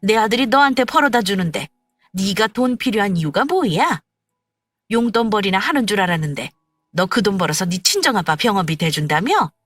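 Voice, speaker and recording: A woman voicing an overbearing older mother-in-law with a sharp, piercing voice and a scolding manner. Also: mid-range voice, no echo, clean studio sound. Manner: scolding, demanding.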